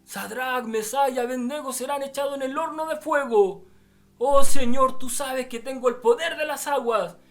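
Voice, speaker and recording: A male preacher voicing a strong angel of the waters, crying out in high, drawn-out shouts. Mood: frantic demanding. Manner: shouting, high-pitched, dragged-out cries.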